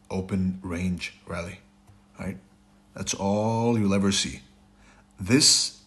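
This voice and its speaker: A man with a raspy, hoarse voice teaching a trading lesson over slides, blunt and repetitive, often checking in with "right?". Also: on the low side. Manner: blunt, repeats "right?" and "it's your fault". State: hoarse, sore throat. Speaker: trading instructor.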